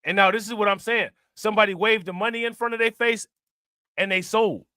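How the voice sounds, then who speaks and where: A man with a high, bright, sharp voice talks back at a news clip on his stream in loose, joking commentary. He laughs often and repeats his points for emphasis. The sound is dry and close. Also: steady tone, fairly quick, no echo. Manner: joking, laughing, repeats himself, reads chat shout-outs. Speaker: livestream host reacting to news clip. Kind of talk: casual reaction commentary.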